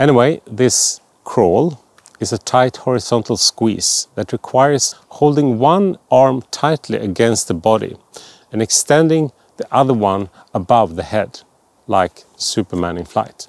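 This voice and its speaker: Recorded with a dry sound and no echo, a man talks at a fairly slow pace. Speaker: presenter. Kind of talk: documentary narration to camera. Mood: calm, lightly humorous. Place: forest. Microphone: lapel.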